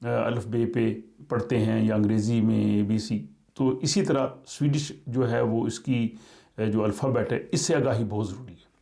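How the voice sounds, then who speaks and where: Middle-aged male teacher, warm and dark tone, measured delivery with hesitations. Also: lowish voice, steady tone, creaky. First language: Urdu. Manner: slow, measured, with frequent hesitations. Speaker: language teacher. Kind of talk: explanatory language lesson.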